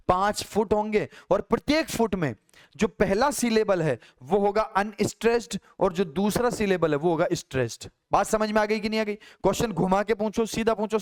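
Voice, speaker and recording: High-voiced Hindi-speaking teacher, clear. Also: male voice. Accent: Hindi-accented English. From Rajasthan, India. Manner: explains step by step, counting on, checking understanding. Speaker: English exam teacher. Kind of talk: classroom lecture.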